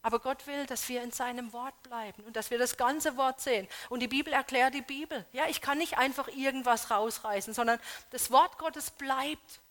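Frau predigt, fragt die gemeinde direkt, mal laut mal ganz leise, eher hohe stimme. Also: female voice, sits high, normal speed, hardly any pauses. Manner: earnest, swings from loud urging to soft, hushed emphasis; asks the congregation questions. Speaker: preacher. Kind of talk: sermon.

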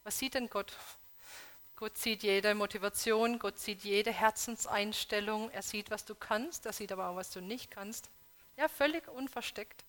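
Preaching a sermon, a woman presses her congregation with earnest questions, swinging from loud appeals to soft, hushed emphasis. Her pitch is medium and her pace normal.

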